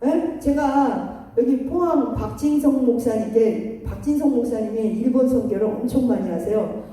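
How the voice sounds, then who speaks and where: A middle-aged woman preaches a lively sermon, telling stories with animated acted-out voices and frequent laughter. Her voice sits high but sounds dark and mellow. She is heard from a distance in a church hall with a long, roomy reverb. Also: moderate pace. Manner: animated storytelling, acts out voices, laughs often. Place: church sanctuary. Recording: echoey hall from far off.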